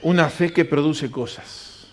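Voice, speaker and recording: Preacher, man, slightly high voice, reads scripture and answers his own questions in a sermon. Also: measured pace. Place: church.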